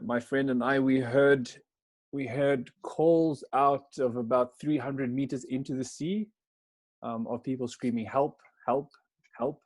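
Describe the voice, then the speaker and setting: A man, a pastor, shares a personal story with a training group, reflective and hesitant, filling pauses with ums. His voice sits mid-pitch and the sound is dry and close. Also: a little mellow, dry recording. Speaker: pastor sharing an experience.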